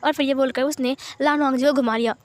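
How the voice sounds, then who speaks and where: A woman's voice: high voice, steady tone, quick pace, no room sound. A woman narrating a fan-fiction romance story in a plain, flowing retelling.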